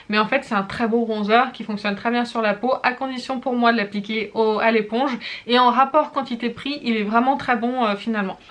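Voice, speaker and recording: Chatty higher-voiced woman reviewing makeup. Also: fairly bright tone. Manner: chatty, frequent hesitations and self-corrections; demonstrates products while talking. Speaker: beauty vlogger. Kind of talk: casual product review to camera.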